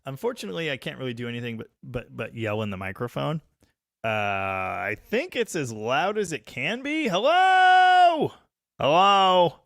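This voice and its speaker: A man hosting a live stream, chatting casually and reading viewer comments, with a very loud voice recorded on a phone. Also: on the high side, sing-song, moderate pace, creaky, no echo. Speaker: livestream host reading chat. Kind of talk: casual live chat about cars. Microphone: phone microphone.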